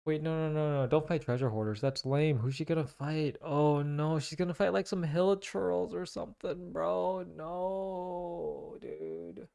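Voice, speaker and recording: A man hosting a casual reaction video, thinking aloud in slangy, excitable commentary. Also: a little high, unhurried, vocal fry, hardly any pauses, clear, resonant tone. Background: faint music.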